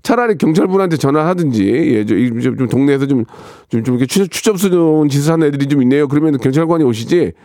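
A man's voice: on the high side, animated, fast, dark tone, no room sound, clean studio sound. A man hosting a radio show, reading listener questions and giving blunt, joking advice with many fillers. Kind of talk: casual advice chat.

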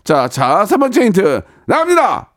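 A man's voice: sits high, huge pitch swings, measured pace, over loud music. A man hosting a radio call-in quiz, joking with callers and singing bits of songs. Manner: playful, sings snippets and counts in callers. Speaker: radio host. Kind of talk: lively radio quiz chat.

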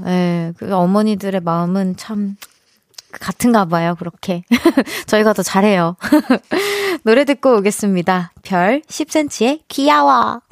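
A woman's voice: medium pitch, no room sound. Young female radio host, chatty, giggly, reads listener messages; dry studio mic. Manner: chatty, laughs often between stories.

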